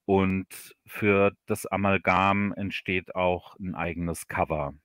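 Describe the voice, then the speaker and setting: A man's voice: low-pitched, fairly even intonation, slow pace, fairly bright tone, no room sound. A man from Hesse, Germany, talking casually as a guest author in a livestream interview, often repeating words as he thinks. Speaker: guest author of audio dramas.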